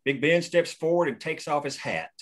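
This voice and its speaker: A man reading screenplay stage directions at a table read in a steady, matter-of-fact way. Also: fairly high pitch, normal speed. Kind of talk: reading screenplay action lines.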